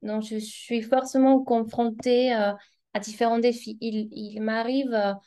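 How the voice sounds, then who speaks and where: Her voice is on the high side, level and warm, and she doesn't rush. A native Spanish speaker who teaches languages, she's a guest in a relaxed discussion, thinking aloud hesitantly with frequent fillers and restarts as she hunts for words.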